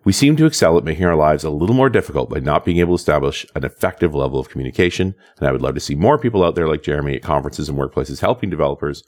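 Deep-voiced, animated podcast co-host. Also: male voice. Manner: thoughtful, measured, reads listener comments. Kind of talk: casual podcast chat.

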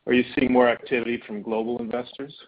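A man's voice: mid-range voice, little pitch movement, quick pace, husky. A man calling in as a financial analyst to ask questions on an earnings call. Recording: dull telephone conference line.

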